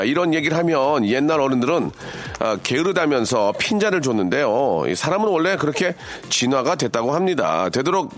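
A man hosting a radio show, chatting playfully and straight to listeners while reading out their messages. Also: medium pitch. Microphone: studio microphone.

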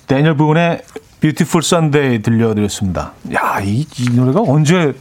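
A man hosting a radio talk show, reading listener stories and introducing songs in a calm way. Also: mid-range voice, measured pace. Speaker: radio host.

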